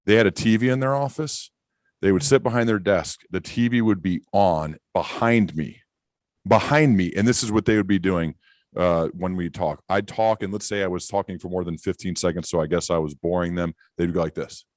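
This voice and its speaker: A man's voice: low voice, moderate pace, a little mellow, no echo, studio quality. A man hosting a podcast, telling anecdotes in a casual, conversational way. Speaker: podcast host.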